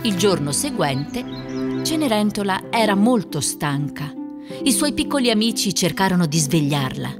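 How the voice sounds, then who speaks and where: A woman narrating a children's fairy tale from a script in an expressive storytelling manner. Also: mid-range voice, normal speed, loud music behind the voice.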